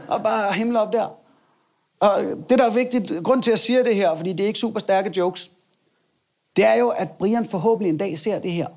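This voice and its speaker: High-voiced self-mocking stand-up comedian. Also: male voice. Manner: chatty, self-mocking, acts out quotes.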